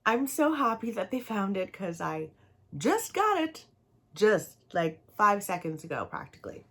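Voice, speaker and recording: A woman's voice: medium pitch, big pitch swings, measured pace, a bit bright. Chatty, rambling woman with a stuffy nose. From Canada. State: a little snuffly from a cold; a little tired. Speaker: book vlogger. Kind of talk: casual chat to camera.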